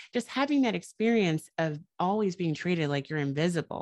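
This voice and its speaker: A woman talks at a fairly quick pace in an ordinary speaking voice, pitched fairly low. Her intonation is lively, and the background is quiet. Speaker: podcaster guest. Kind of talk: casual interview chat.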